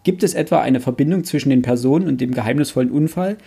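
Husky, mellow young man hosting. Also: medium pitch, fast talker. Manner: hesitant, self-correcting, thinking aloud. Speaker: podcast host. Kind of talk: casual book discussion.

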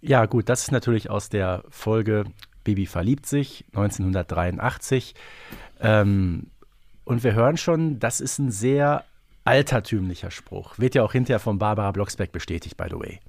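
A man's voice: lowish voice, expressive, moderate pace, darkish tone, no echo. A man co-hosting a podcast, talking conversationally and a little wryly in a casual discussion. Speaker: podcast co-host.

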